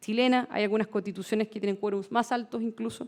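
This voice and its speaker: A woman speaks at a fairly quick pace with a fairly high pitch. Her intonation stays fairly even. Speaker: constitutional lawyer, lecturer. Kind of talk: lecture. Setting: videoconference. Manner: fast.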